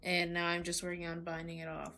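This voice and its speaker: A woman's voice: lowish voice, completely flat delivery, quick pace, bright, forceful tone. A woman chatting casually about the project she is binding off. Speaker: guest knitter. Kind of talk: casual chat.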